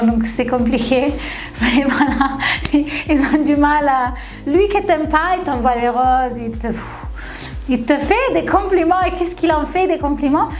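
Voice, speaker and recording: A young woman from Tunisia chatting casually in an interview, often laughing and repeating her words. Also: sits high. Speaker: reality TV contestant. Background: faint background music.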